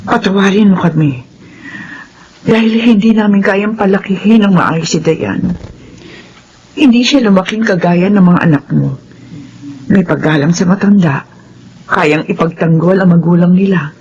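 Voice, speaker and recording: An actress playing a wealthy mother who speaks calmly and thanks her family's maid in a TV drama. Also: medium pitch, husky, lo-fi sound. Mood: earnest. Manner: calm, measured speech. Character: wealthy employer mother, humble and grateful. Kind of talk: TV drama acting.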